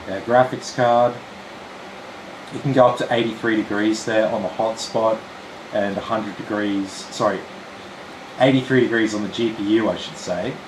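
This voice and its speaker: A man with an Australian accent, slightly hoarse, casually talking viewers through a computer build on a live stream. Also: lowish voice. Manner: relaxed, chatty, explains steps plainly. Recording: roomy with steady air-conditioning hum.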